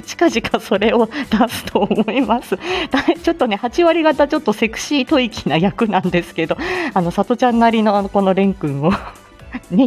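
A woman's voice: medium pitch, a little mellow. A woman hosting a live stream in a casual, chatty way, often laughing between phrases. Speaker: livestream host.

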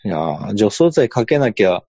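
Guy chatting on a podcast, halting, lots of laughs, dull dry sound. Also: lowish voice, very animated, dark tone, husky, no echo. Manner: hesitant, laughs often. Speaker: podcast guest. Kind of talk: casual chat.

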